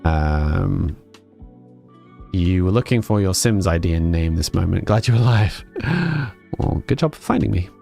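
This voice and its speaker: With a low, gravelly, unhurried voice and faint music behind, a young Englishman whose family lives in Scotland casually talks to his stream viewers. He reads their chat aloud in a relaxed, meandering way, his accent drawing on both northern and southern England.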